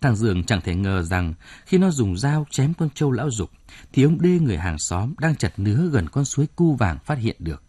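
A man narrates a novel with expressive storytelling. His voice is mellow and husky, and it moves widely in pitch. The sound is close and dry. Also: normal speed, dry recording. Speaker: audiobook narrator. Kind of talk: scripted narration.

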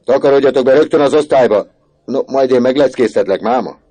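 A man voicing a strict male schoolteacher who shouts angrily at two pupils. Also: on the low side, big pitch swings, no echo, pitched above the performer's own voice, poor audio. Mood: furious. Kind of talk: audiobook character voice.

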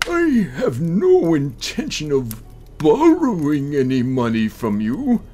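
A man voicing a morbid, scheming old gentleman in a dramatic, drawn-out horror story reading. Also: a little high, wildly swooping pitch, a little hiss or hum, exaggerated voice. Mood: cold menace. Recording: voice over background music.

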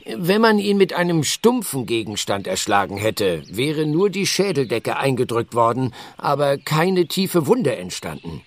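An actor playing a blunt, sardonic village doctor in a German radio play, dry and explanatory. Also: male voice, medium pitch, very animated, a little slow, few pauses. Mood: matter-of-fact.

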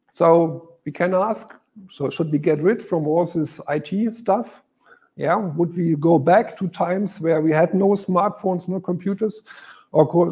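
Middle-aged german guy lecturing, halting, lots of ums, dark husky voice. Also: a little high. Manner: hesitant, many fillers and restarts. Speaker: keynote lecturer. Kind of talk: conference keynote lecture. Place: lecture hall.

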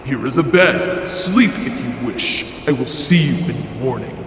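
A man's voice: mid-range voice, expressive, a little slow, fairly bright tone. A man playing a huge, proud, blustering giant in a storybook audio drama. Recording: echoey cavernous reverb, some noise.

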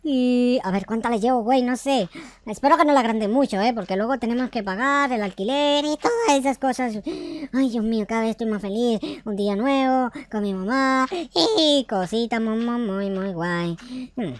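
A man's voice: very high voice, normal speed, dry recording. A man with a Mexican accent voicing a naive, cheerful young noob in a Minecraft roleplay, chatty and giggly as he talks to himself. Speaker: YouTuber playing a roleplay character.

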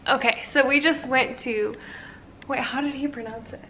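Young woman vlogger, kinda high voice, upbeat, noisy phone audio in the car. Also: fairly even intonation, moderate pace, sharp tone. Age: young adult. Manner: chatty, upbeat reviewing. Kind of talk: casual chat. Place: car and home. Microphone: camera held at arm's length.

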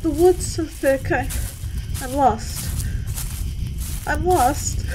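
A woman playing a hysterical young college girl in a radio horror drama, gasping out halting, repeated pleas for help. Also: sits high. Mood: desperate, exhausted. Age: young adult. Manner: frantic, gasping, halting and repetitive. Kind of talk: amateur radio horror acting. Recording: noisy home-recorded radio drama.

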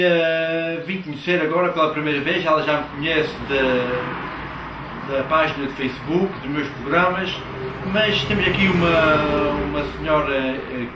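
In a house's living room, an older man with a slightly high voice interviews a couple for casual TV, asking slow, hesitant, friendly questions into a handheld microphone. The audio is roomy and distant, with faint background noise.

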